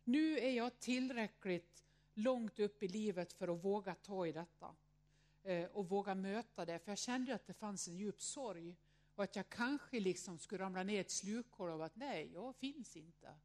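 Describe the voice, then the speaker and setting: A woman's voice: medium pitch, a little mellow. A woman around sixty tells a personal story to an audience, earnest and reflective, often filling her speech with little hesitation words. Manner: acts out quoted voices in her story.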